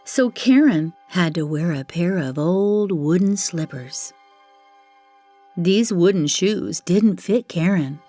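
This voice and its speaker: Slow, animated woman storyteller. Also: lowish voice, soft background music. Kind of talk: expressive children's fairytale narration.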